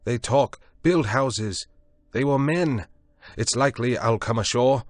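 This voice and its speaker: A desperate young castaway shouts and pleads, refusing to back down, as a male reader puts him on. The voice is pushed up from a deep, slow base and carries loud and close in a dry space. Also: animated, no echo. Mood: scornful.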